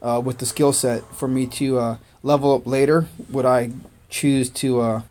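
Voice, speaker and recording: A man from Korea, originally a Korean speaker, talks casually on a game livestream in a steady, medium-pitched, slightly mellow voice. He names viewers to thank them and pads pauses with "uh" and "man."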